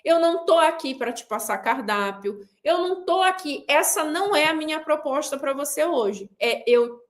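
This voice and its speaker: A woman's voice: high-pitched, animated, normal speed. A woman coaching viewers in an online class, talking straight to them and hammering her points with repeated, clipped replies. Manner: emphatic, repeats a punchline in a clipped drop. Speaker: weight-loss coach hosting a pre-event class. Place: seated indoors.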